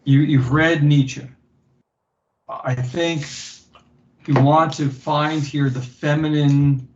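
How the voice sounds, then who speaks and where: A man's voice: on the high side, fairly even intonation, slow, a little hiss or hum. Teasing man with a roomy echo. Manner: teasing, talkative. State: relaxed after drinking. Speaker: discussion partner. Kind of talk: casual chat about philosophy. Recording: muffled, roomy lo-fi audio.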